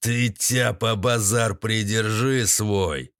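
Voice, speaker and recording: Audiobook thug: narrator putting on a slow-drawling shaven-headed gang leader, gravelly low, dry close read. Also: male voice, fairly even intonation, fairly bright tone, no echo. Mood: menacing. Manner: drawling crude street slang.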